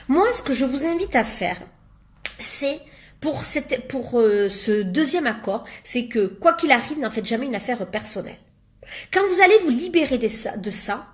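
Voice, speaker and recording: A woman life coach speaks straight to her viewers in a casual motivational talk. Her voice sits a little high, and she chats along with plenty of fillers, sometimes acting out small made-up exchanges. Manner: chatty, many fillers, acts out little quoted exchanges.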